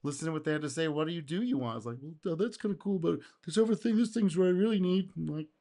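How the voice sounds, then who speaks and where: A man hosting a casual reaction video, speaking in an animated way, laughing and acting out quotes, his voice going a little hoarse. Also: fairly high pitch, quick pace. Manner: animated, exclaims and laughs, acts out customer quotes. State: getting hoarse.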